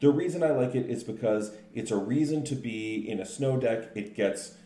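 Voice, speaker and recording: A man co-hosting a podcast, chatting casually and explaining things in a relaxed way. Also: medium pitch. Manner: relaxed, explanatory, says card names in quick lists. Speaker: podcast co-host. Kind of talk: casual chat about card games. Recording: echoey room with faint noise.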